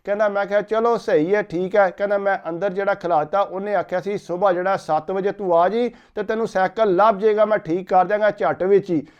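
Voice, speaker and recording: A man tells a folk story with a high, clear, smooth voice, steadily repeating "he said" as he relays each step. The recording sounds a little muffled and lo-fi. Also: quick pace, hardly any pauses. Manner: steady retelling, repeating "he said" before each line.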